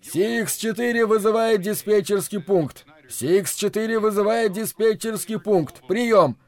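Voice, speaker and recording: A young male pilot radios the control tower in clipped, formal call-sign phrases, as a man reads him aloud. His voice sits high and a little raised above a plain reading tone. It sounds faint and distant, like a voice coming in over a two-way radio. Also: a little slow. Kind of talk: audiobook reading.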